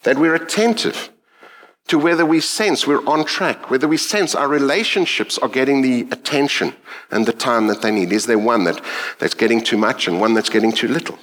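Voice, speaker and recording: In this sermon, a middle-aged South African man with a matching accent delivers his message earnestly and reflectively, pausing thoughtfully. He speaks at a medium pitch with a slightly bright tone.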